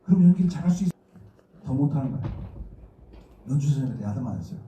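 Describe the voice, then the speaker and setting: Talking very fast in a medium-pitched voice, a middle-aged actor with a Daegu accent, from a rural area near Daegu, South Korea, gives students a guest lecture full of animated storytelling and acted-out quotes. A distant mic in the echoey hall leaves the sound muffled, with background noise.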